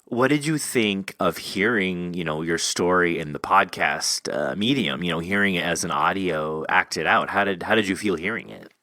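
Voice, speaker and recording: Bright, low-voiced man hosting a podcast. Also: moderate pace, hardly any pauses, dry recording, studio quality. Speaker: podcast host. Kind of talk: casual conversational interview.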